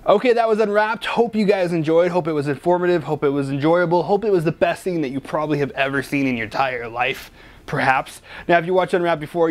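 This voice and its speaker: A young man hosting a magic product review, chatty and joking, rambling with lots of restarts and fillers. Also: on the high side.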